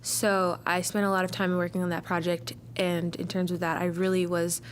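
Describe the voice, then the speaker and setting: A woman's voice: on the low side, level tone, moderate pace, slight background noise. A teenage female student with an American accent, talking casually and reflectively as if interviewed. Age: teens.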